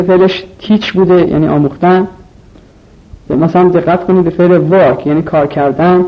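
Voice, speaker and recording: A man with a slightly higher voice teaches English vocabulary. He explains each word slowly and methodically. The recording sounds dull and lo-fi. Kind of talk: vocabulary lesson.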